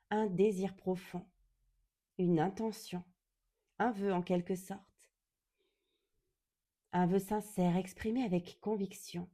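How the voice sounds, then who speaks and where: A woman guiding a yoga nidra meditation in a calm, gentle, soothing way, speaking deliberately and leaving long pauses. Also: medium pitch. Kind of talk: slow guided meditation.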